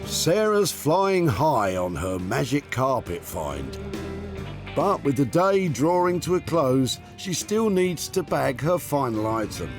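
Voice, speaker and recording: A man's voice: medium pitch, very animated, slow, over music. A man narrating a TV show in a playful, teasing scripted voice-over.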